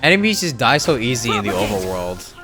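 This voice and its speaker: A man's voice: medium pitch, big pitch swings, fairly quick, over music. A young man giving casual, informal live commentary as he streams a game, reacting aloud.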